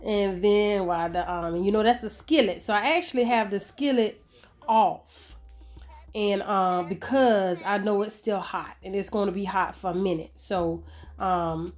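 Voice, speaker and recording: A middle-aged woman hosting a home cooking video, chatting in a relaxed, homey way and talking to her viewers as y'all while she cooks. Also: mid-range voice, measured pace. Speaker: home cook and channel host. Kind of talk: casual cooking tutorial narration.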